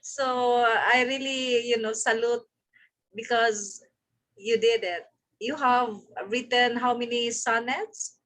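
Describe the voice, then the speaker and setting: Slow-speaking earnest woman interviewer. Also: fairly high pitch, fairly even intonation, a bit bright, poor audio. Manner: earnest, admiring questions with fillers.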